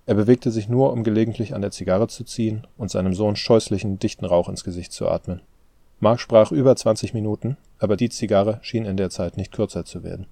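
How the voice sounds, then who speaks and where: A man reading a novel aloud in steady, measured scripted narration. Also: lowish voice, gravelly, no echo. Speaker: audiobook narrator.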